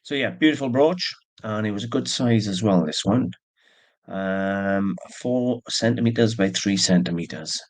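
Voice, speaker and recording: An unhurried man with a fairly low voice walks through the antique silver jewelry he sells in casual show-and-tell fashion. Stuffed up by allergies and yawning, he chats and drops in plain asides.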